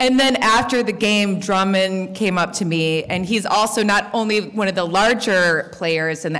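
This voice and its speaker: A woman with a Chicago accent at a medium pitch, with ordinary pitch variation and noticeable background noise. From US Midwest, Chicago. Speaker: actor. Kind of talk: casual chat. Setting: stage with audience.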